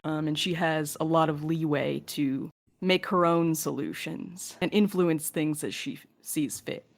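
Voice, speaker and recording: A woman's voice: low voice, fairly even intonation, unhurried, creaky. A woman co-hosting a podcast, casually answering listener questions in a joking, casually sweary way. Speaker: podcast host and crew member.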